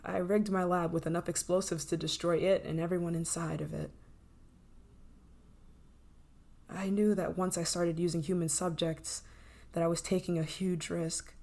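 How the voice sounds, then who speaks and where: A woman's voice: fairly low pitch, little pitch movement, creaky, a little mellow. A woman playing an obsessive, menacing scientist in an intense, possessive ASMR roleplay. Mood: somber, confessing. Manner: intense, pleading, possessive, dramatic pauses. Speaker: voice actor in audio roleplay.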